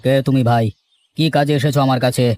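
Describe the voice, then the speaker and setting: A man playing a shrewd, seasoned land broker in a cartoon, giving measured, matter-of-fact advice and cautions. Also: medium pitch, fairly even intonation, a little mellow, a little hiss or hum, natural voice. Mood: businesslike, cautioning. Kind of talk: dramatized cartoon dialogue.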